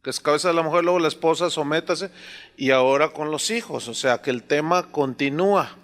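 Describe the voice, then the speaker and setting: A man's voice: fairly high pitch, brisk, a bit bright. A man, preaching a sermon as a pastor in a conversational, storytelling way with many fillers. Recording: long hall reverb.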